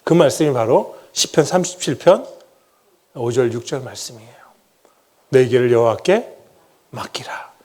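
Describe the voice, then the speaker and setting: A middle-aged pastor tells a personal testimony from the pulpit. He keeps turning to the congregation with rhetorical questions and acts out his own past words, his voice at an ordinary middle pitch for a man. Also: expressive, normal speed, long pauses, a little mellow.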